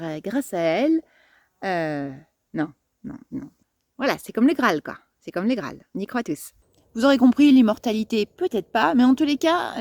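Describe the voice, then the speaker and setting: A woman's voice: mid-range voice, dark tone, no echo, clean studio sound. A woman, presenting plants in a casual garden vlog, chatty and playful, with many fillers and asides.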